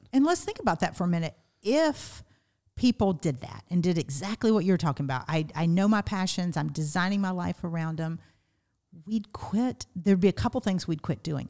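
A normal speaking voice with an American accent carries lively intonation. The recording is very clean, with a silent background. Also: woman, fairly low pitch for a woman, fairly quick pace. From US South, Columbus, Georgia. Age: 50s. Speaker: business coach and author. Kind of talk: casual interview.

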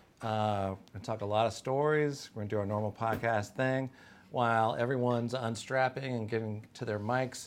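A man speaks with a normal speaking voice at medium pitch and a moderate pace. His intonation stays fairly even while his loudness swings widely. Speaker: podcast host. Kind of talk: casual chat. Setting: studio.

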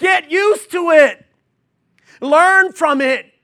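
A man's raised, projected voice at a very slow pace, on a very clean recording with a silent background. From US Northeast (Newburgh, New York), Puerto Rican family. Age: 50s. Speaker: pastor. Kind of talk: sermon. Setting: church with congregation and live stream.

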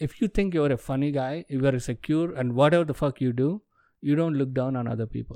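A man with an Indian accent speaks fairly quickly in a dark, mellow tone at a fairly high pitch with ordinary variation, the sound dry and close with no echo against a quiet background. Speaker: stand-up comedian. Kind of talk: casual chat. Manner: animated.

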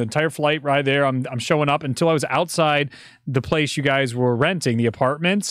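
This is a man with an ordinary speaking voice and a fairly high pitch. He talks at a fairly quick pace. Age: 20s. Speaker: podcast host. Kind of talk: casual chat. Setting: livestream.

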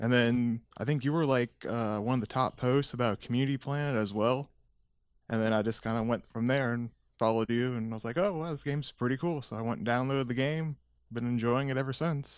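A man with a medium-pitched, unremarkable speaking voice talks fairly quickly and with fairly even intonation on a very clean recording with a silent background. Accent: American. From Indiana, US. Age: 20s. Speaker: video editor and hobby streamer. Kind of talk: casual chat.

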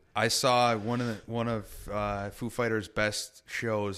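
In an unremarkable speaking voice, a man with an American accent talks at a fairly slow pace with fairly even intonation, on a very clean recording with a silent background. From Michigan, Detroit suburbs. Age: 20s. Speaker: podcast host and comedian. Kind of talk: casual chat. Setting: home studio.

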